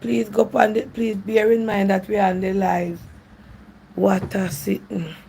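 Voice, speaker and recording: Jamaican woman, live-stream host, gravelly and animated, calls out to God a lot. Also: medium pitch, unhurried, slight background noise, poor audio. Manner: animated, exclaims to God, laughs often. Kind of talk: casual live-stream chat with callers.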